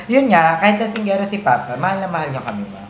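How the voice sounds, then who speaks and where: A woman from Pangasinan co-hosting a casual podcast, telling family stories in an animated, candid way. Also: fairly low pitch, fast talker. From Philippines, Pangasinan. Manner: animated storytelling, emotional and candid. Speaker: podcast co-host. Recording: roomy echo, faint background noise.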